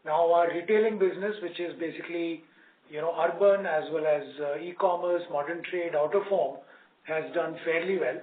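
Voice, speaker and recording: A man with an Indian accent explaining business figures as an executive on an earnings call. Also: a little high. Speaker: company executive. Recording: echoey, distant, dull, noisy conference line.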